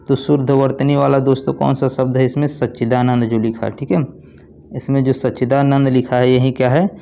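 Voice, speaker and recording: A man's voice: medium pitch, gravelly, warm tone, a little hiss or hum. Man drilling exam answers call-and-response. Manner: repetitive call-and-response, asks then answers himself. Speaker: Hindi exam tutor. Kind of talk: online exam-prep lesson.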